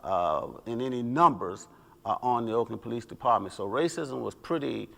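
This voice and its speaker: An older man giving measured recollections in an interview, recorded in a reverberant space. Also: medium pitch, lively intonation, vocal fry, pushed and bright. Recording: long reverberant room.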